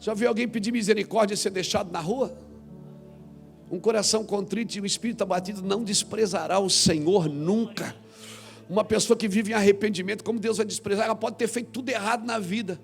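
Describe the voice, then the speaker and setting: A man preaching a sermon as pastor, acting out scripture voices and swinging from quiet talk to shouts. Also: sits high, fast, creaky, faint music behind. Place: church hall.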